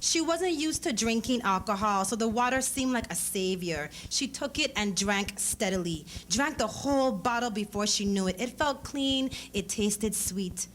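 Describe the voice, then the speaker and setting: A woman's voice: mid-range voice, expressive, moderate pace, few pauses, a bit bright. A woman reading literary fiction aloud dramatically at a live event. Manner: acts out dialogue in character voices. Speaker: author reading a story. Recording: clearly noisy live event recording.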